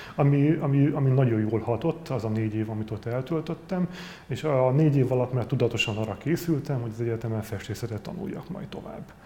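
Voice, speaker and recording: A man at a very fast pace, medium pitch, with noticeable background noise. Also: ordinary pitch variation. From Hungary, Zala county (Nagykanizsa). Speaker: painter and art professor. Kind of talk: interview. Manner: halting, with many repetitions.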